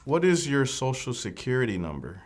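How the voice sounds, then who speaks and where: A man playing an immigration officer in a scripted mock interview, asking formal, measured questions. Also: medium pitch, sing-song.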